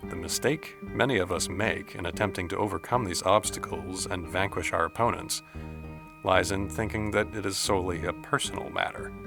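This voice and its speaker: A man acting a solemn, reflective letter writer in a deliberate, formal audio drama monologue, with music behind him. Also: sits low, vocal fry.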